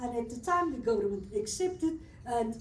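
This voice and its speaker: Lively intonation from a woman with a high pitch and a dark, mellow tone, at a moderate pace, with audible room echo. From Turkey, Izmir. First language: Turkish. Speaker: political science professor. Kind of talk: lecture.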